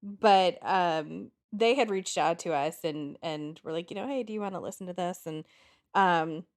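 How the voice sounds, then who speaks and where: Female co-host in her forties, slightly low voice, chatty and giggly. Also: moderate pace. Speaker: podcast co-host. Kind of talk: casual podcast chat.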